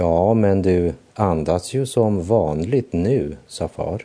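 The voice carries a dark, mellow tone with ordinary pitch variation. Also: man. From northern Sweden (Västerbotten). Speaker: radio Bible teacher. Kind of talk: radio Bible teaching.

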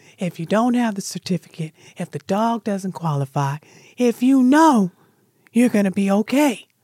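Somewhat breathy and dark, mellow in tone, a woman's voice carries lively intonation in a dry, close recording with no echo. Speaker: radio host. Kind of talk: casual chat. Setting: studio. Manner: animated.

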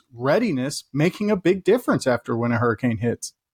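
Fairly quick, somewhat breathy male speech with an American accent and very wide pitch swings, in a very clean recording with a silent background and a dry, close sound with no echo. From Central Florida. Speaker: podcast host. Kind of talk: casual interview.

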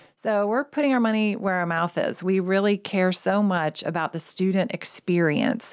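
A woman with a plain, everyday voice speaks at a medium pitch and moderate pace. She uses ordinary pitch variation and hardly any pauses. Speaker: school co-founder. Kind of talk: radio interview. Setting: studio.

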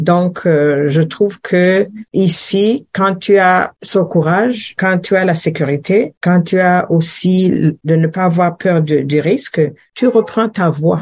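A woman speaks in a fairly low, somewhat breathy voice at a very slow pace. Her pitch varies in an ordinary way and her loudness stays very even. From Rwanda. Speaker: director of a women's centre. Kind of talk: interview. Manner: halting with repetitions.

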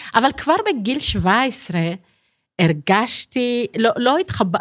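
A woman in an Ethiopian accent at a very slow pace, with very wide pitch swings, on a very clean recording with a silent background. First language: Amharic (speaking Hebrew). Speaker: activist and academic. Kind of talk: interview.

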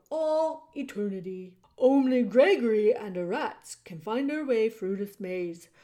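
A natural reading voice rises and falls with lively intonation.

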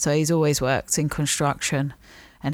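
A woman's very deep, low voice, flat and monotone, at a moderate pace on a very clean recording with a silent background. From London area, southern England. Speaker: podcast host, crane operator. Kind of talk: solo personal monologue. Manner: halting, with fillers.

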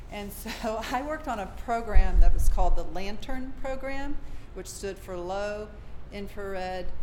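Over noticeable background noise and audible room echo, a woman with an American accent talks at a fairly slow pace. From US South, Gainesville, Florida. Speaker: church member. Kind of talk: interview conversation.

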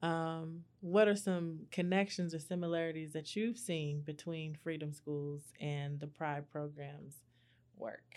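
Over a very clean recording with a silent background, a woman speaks at a very deep, low pitch. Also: fairly slow pace. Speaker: podcast host. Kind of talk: interview, hosting.

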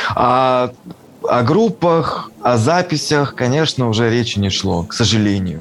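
The speaker talks at a very slow pace with lively intonation. Noticeable background noise is present. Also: man, medium pitch for a man. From Russia, Yekaterinburg. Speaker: musician and food courier. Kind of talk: interview storytelling.

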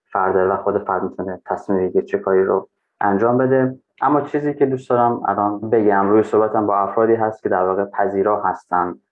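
Here is a man with a normal speaking voice and a fairly low pitch. He goes at a fairly quick pace with fairly even intonation. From Afghan raised in Iran (Shiraz). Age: 20s. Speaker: Afghan migrant. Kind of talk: interview.

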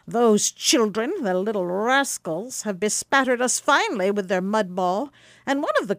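This is a natural reading voice. It is heard on its own here.

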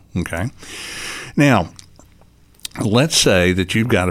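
Using a Southern US accent, a man with very deep, low pitch talks at a moderate pace with ordinary pitch variation. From Tennessee, Chattanooga. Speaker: MRI safety consultant. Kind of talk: casual interview.

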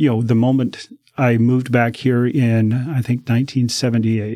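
In an American accent, a man speaks at a medium pitch with a dark, mellow tone. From US West (Colorado, Denver). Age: 60s. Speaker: former banker sharing faith testimony. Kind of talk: testimony.

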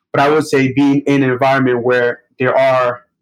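The speaker has an American accent and a monotone, flat intonation. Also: man. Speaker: tech professional and speaker. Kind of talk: casual interview chat. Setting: video call.

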